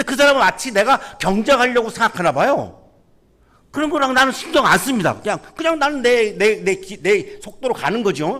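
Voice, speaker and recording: With a bright, sharp tone, a man talks at a moderate pace in an extremely high voice that swings very widely in pitch. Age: 60s. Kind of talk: sermon. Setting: church. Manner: animated.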